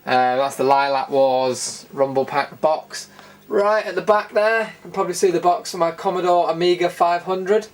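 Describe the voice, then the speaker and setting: A British man hosting a retro gaming show, casually narrating a room tour in an informal, rambling, enthusiastic way. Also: on the high side.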